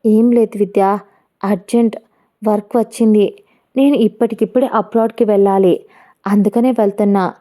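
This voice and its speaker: A woman voicing a young man in a hurry, speaking briskly and offhand in a storybook reading. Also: medium pitch, steady tone, warm tone, lightly acted. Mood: hurried. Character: hurried young man leaving on business. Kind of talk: storytelling narration.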